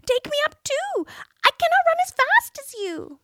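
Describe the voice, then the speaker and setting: A woman reading a storybook, voicing a small male enchanted frog who calls in a high, slow, drawn-out way. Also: sing-song, a bit bright, full character voice. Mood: desperate.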